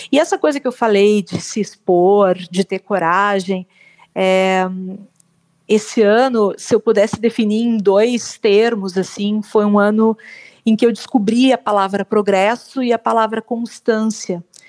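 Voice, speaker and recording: In a dry, close sound with no echo, a woman with an ordinary speaking voice talks fairly slowly at a fairly high pitch with fairly even intonation. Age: 40s. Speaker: author. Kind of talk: interview. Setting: video call.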